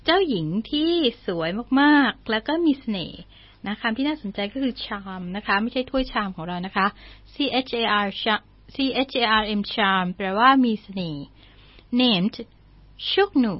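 A woman telling a folk tale in a bilingual lesson, reading lines slowly and explaining each one, with frequent polite particles. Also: medium pitch, animated, no room sound, muffled recording. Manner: slow, deliberate, translating each English line into Thai. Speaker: English teacher telling bilingual stories.

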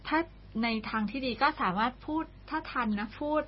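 A woman's voice: sits high, fairly quick, slightly rough. Chatty Thai woman co-hosting a lesson. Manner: chatty, frequent agreeing interjections. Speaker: radio co-host. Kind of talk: casual co-hosted lesson chat. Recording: dull lo-fi broadcast sound.

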